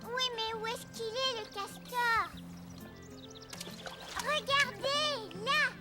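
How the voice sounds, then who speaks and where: A performer playing a cheerful, curious four-year-old boy in a cartoon, excitable and wide-eyed. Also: very high voice, slow pace. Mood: excited, curious. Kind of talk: French cartoon dubbing. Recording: music behind the voice.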